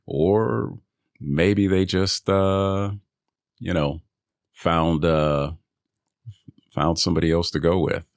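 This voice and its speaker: A voice actor talking casually and loosely about auditions and coaching, with self-amused laughs. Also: male voice, deep voice, steady tone, slow pace, long pauses, clean tone, dry recording, clean studio sound. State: recovering from a cold. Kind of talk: casual solo vlog. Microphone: studio microphone.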